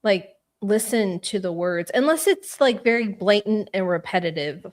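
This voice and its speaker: A woman with an average-pitched voice hosts a relaxed livestream chat. She rambles and thinks out loud, full of likes and ums. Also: normal speed. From Spain. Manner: rambling, thinks aloud with many fillers. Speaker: host.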